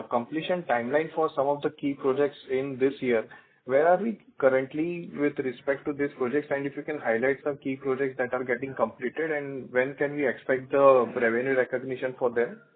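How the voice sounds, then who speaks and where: A man's voice: mid-range voice, fairly even intonation, normal speed. A man politely putting formal questions as an analyst on a business conference call. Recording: narrow phone-line sound.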